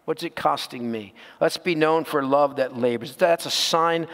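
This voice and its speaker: A man's voice: fairly high pitch, a little slow, fairly bright tone, in a large hall. A man preaching a sermon as pastor, earnest and direct, putting rhetorical questions to his congregation.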